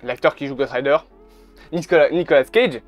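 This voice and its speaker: A man with a medium-pitched voice speaks a little fast as he delivers blunt, casual video commentary, sometimes swearing. He's a YouTuber recorded on a camera mic, with faint music in the background.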